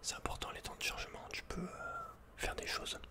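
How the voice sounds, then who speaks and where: A man's voice: extremely high pitch, wildly swooping pitch, fairly quick. A man whispering unhurriedly as he thinks aloud, hosting an ASMR video game playthrough. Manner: whispering throughout. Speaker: ASMR gamer host.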